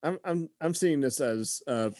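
A man's voice: on the high side, expressive, measured pace, a little mellow, no room sound. A man in casual chat with a co-host, talking hesitantly with many "like"s and "you know"s.

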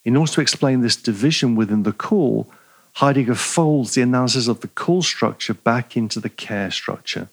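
A man giving an academic philosophy lecture, measured and digressive, reading quotes aloud and checking in with his listeners. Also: mid-range voice, vocal fry, low-quality recording. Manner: measured, digressive, with fillers and rhetorical "right?".

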